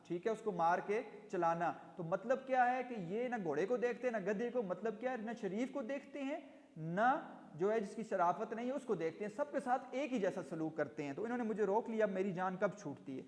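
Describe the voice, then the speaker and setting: A man's voice: sits high, lively intonation. A male teacher reading a story aloud and explaining it line by line, glossing hard words as he goes. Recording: long reverb in an echoey room.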